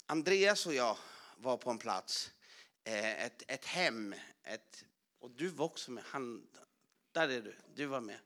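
Give me a man with a fairly high, forceful voice, preaching a passionate sermon. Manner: passionate, many restarts and fillers. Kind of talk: emphatic sermon testimony.

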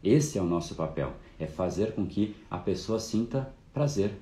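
A man's voice: lowish voice, lively intonation, normal speed, dark tone, echoey room. A man hosting a live course talk, explaining casually and fluently with frequent fillers. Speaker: course host.

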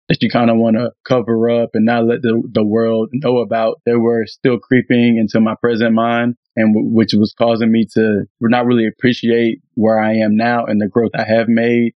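A man co-hosting a podcast, voice raspy after the flu, speaking in an earnest, reflective casual chat. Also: medium pitch, dry recording, highs cut off. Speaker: podcast co-host and audio engineer.

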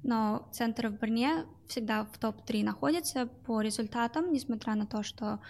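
A woman's voice: on the high side, normal speed, vocal fry, darkish tone. A young woman, a guest in an interview, describing her work at a call center, speaking with many hesitations and fillers. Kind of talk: interview answers.

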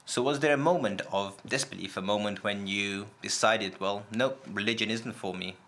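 A British man presenting a radio programme, reading a scripted introduction and asking interview questions in a measured, calm way in an office. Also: lowish voice, slight background noise. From Britain. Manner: measured, calm, clearly read. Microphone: studio microphone in an office.

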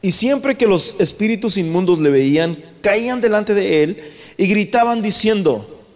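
A male preacher giving a fervent sermon, dropping to a hush and then rising loud. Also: high-pitched, lively intonation, measured pace. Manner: swings from hushed to loud, fervent. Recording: echoey hall with long reverb.

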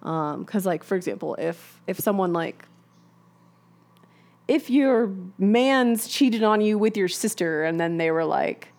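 A woman's voice: medium pitch, expressive, measured pace, darkish tone. A young woman hosting a podcast, explaining ideas in a chatty, candid way, laughing often and swearing for emphasis. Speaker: podcast host. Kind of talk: casual explanatory podcast talk.

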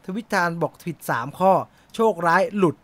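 An adult man hosts a live movie quiz stream, naming winners and teasing viewers in casual chat. His voice sits high and moves at normal speed with no echo, and he is playful, tossing out joking asides with laughter.

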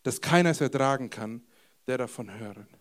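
A man's voice: medium pitch, fairly quick, lightly acted. A man voicing God speaking to a young boy in casual slang. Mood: blunt. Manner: casual slang, direct address.

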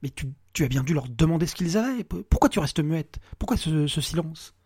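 Man reading an obsessive husband, accusing and bitter, slightly high voice, dry close sound. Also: expressive, fairly quick, breathy edge, no room sound. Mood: pressing. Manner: accusing, pressing, grows shouting.

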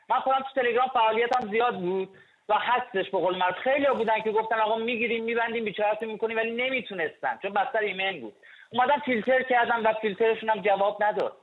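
A man calling in to a talk show, speaking with passionate emphasis over a phone line. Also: high-pitched. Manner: impassioned, emphatic. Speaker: caller. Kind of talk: call-in opinion.

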